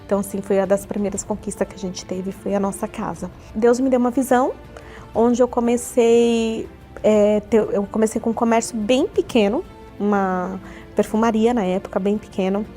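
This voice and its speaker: A woman's voice: medium pitch, fairly even intonation, normal speed, dark tone. A Brazilian woman in her forties giving an earnest personal testimony, often repeating herself. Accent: Brazilian Portuguese. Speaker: church member giving a testimony. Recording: faint music underneath.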